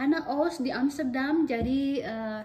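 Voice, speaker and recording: Pitch variation stays ordinary. The voice belongs to a woman. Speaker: food vlogger. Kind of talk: casual vlog chat. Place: home room.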